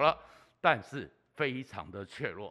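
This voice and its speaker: With a quiet background, a man speaks in a bright, sharp tone marked by vocal fry. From Taiwan. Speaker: political commentator. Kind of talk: solo political commentary. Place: studio. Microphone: studio mic.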